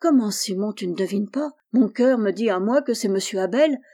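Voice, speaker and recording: A woman reading the part of a devoted, affectionate young man, speaking softly and earnestly. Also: high voice, moderate pace.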